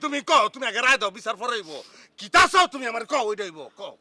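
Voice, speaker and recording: A man playing a hot-headed grown son who rants and shouts in defense of his mother, with a Sylheti accent. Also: extremely high pitch, expressive, quick pace, exaggerated voice. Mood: ranting. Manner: loud, ranting, shouting.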